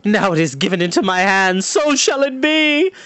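A man's voice: sits high, sing-song, moderate pace, pushed and bright, no room sound, voice pushed up, heavily acted. A man voicing a grandiose, power-mad male steward who gloats over a crown. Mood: gloating.

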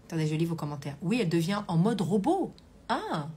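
A woman's voice: fairly low pitch, very animated, a little fast, a little mellow, husky. A woman coach hosting a live stream, chatting casually, reading comments aloud and talking with many fillers. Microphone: Bluetooth hands-free earpiece.

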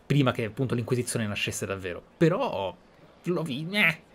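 A man's voice: mid-range voice, very animated, moderate pace, a bit bright. A man giving casual, musing commentary as he plays a game, thinking aloud. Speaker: gameplay streamer.

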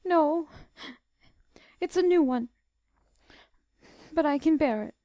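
A woman reading a storybook, voicing a gentle, fragile teenage girl, tearful and sobbing. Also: high-pitched, slow, dry recording, studio quality, voice pushed up.

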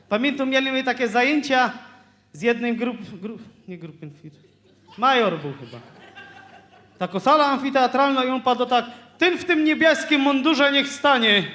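A man with a Silesian accent telling jokes in a halting stand-up monologue on stage. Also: extremely high pitch, fairly bright tone. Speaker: stand-up comedian. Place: stage before an audience. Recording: roomy live stage recording.

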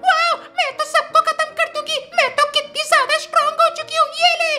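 A comic, boastful superhero team figure in a gameplay video, done in a squeaky, excited cartoonish voice. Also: a little fast, loud music behind the voice. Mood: battle-crazed.

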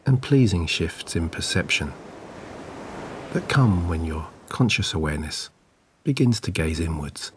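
A man narrating a scripted guided sleep meditation in a soothing, gentle, measured way. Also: deep voice, lively intonation, a little hiss or hum. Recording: clear background ambience of waves. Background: relaxing ocean wave sounds.

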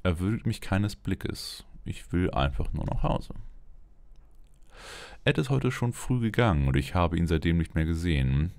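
A man's voice: low voice, moderate pace, darkish tone, no room sound. A man voicing a worried wife and mother in an earnest reading of her diary. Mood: anxious.

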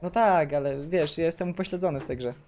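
A man gaming with friends in casual banter, excitable and swearing a lot. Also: a little high, fast talker, crowd noise. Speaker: gamer.

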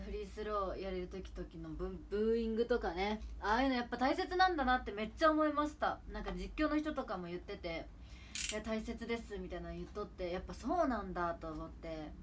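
A woman's voice: mid-range voice, expressive, fast, a little hiss or hum. A young woman from Kagawa, Japan, hosting an idol livestream, chatting casually and gushing to viewers on a close phone mic.

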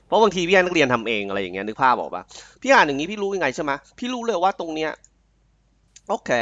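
A young man from Thailand tutoring a student live online. He reads the passage aloud slowly, then explains it in quick, chatty talk. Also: mid-range voice, pushed and bright, no room sound, dull audio. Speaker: IELTS tutor. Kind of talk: live online tutoring, Thai mixed with English. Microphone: online call mic.

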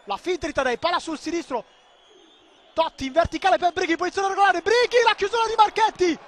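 A man giving excitable live football commentary, swinging between clipped calls and drawn-out shouts. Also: very high voice, a little hiss or hum.

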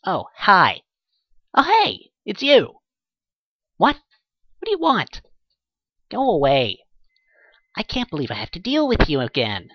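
A man's voice: sits high, wildly swooping pitch, slow, pauses often, dry recording, lo-fi sound, full character voice. A man voicing a bratty, sulky male pony for a game audition, whiny, petulant and dismissive. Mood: sarcastic, exasperated, then irritated. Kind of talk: game character audition lines.

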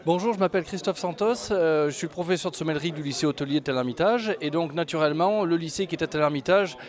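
A man's voice: on the high side, fast. A man in his thirties, a teacher, explaining fluently into a handheld mic in an indoor hall. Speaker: sommelier teacher. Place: busy indoor reception hall.

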